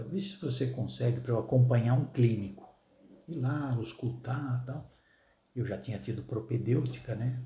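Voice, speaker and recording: Speaking at a moderate pace and medium pitch, a man shows vocal fry and a dark, mellow tone, with audible room echo around him. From Brazil. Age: 60s. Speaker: surgeon and medical professor. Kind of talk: interview.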